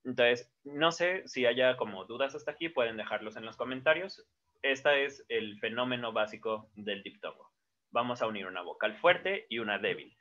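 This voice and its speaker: Bright-voiced male teacher. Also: mid-range voice, lively intonation, normal speed. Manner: explanatory, with frequent fillers and self-corrections. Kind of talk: casual whiteboard lesson. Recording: dull lo-fi sound.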